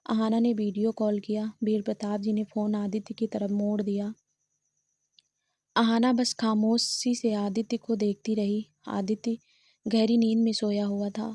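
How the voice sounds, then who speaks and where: A woman's voice: mid-range voice, level tone, measured pace, warm tone, no room sound. A woman storyteller reading a family drama aloud, voicing every character in much the same voice. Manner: reads all characters in her own voice, little change. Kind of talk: scripted narration of a family drama.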